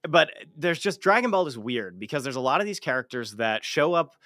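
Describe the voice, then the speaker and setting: A man's voice: on the high side, very animated, a little fast, a bit bright, no echo, clean studio sound. A man hosting a casual livestream interview, talking informally and swearing freely. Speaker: show host and amateur voice actor.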